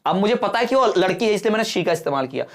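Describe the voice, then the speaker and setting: A man's voice: high voice, lively intonation, rapid-fire. A male exam-prep teacher giving an online lesson in mixed Hindi and English, explaining patiently and often checking whether the students have understood.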